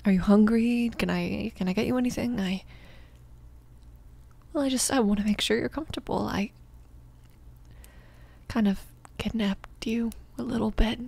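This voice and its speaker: A woman playing a tender, flustered mafia boss in an ASMR roleplay, speaking softly and haltingly, often near a whisper. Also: a little high. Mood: flustered, gentle. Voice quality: soft, creaky, breathy whispering at times. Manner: hesitant, reassuring, halting. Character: protective young female mafia boss, tender, flustered, apologetic.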